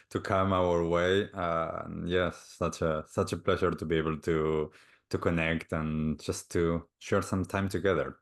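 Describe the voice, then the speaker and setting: A man from Argentina with an Argentine Spanish accent, speaking slowly and gently as a guest healer on a video call, often repeating words as he searches for the next one. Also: low-pitched. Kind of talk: calm reflective interview answers.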